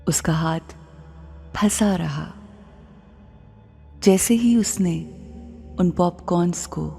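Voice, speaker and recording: A woman with a South Asian accent leads a guided meditation in a hushed, soothing, breathy voice, leaving long pauses. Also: lowish voice. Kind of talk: slow guided meditation narration. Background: faint music.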